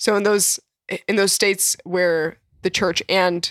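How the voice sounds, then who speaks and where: A woman's fairly low voice with fairly even intonation, in a dry, close sound with no echo on a very clean recording with a silent background. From Ukraine, raised in Canada. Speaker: political commentator. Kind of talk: casual discussion.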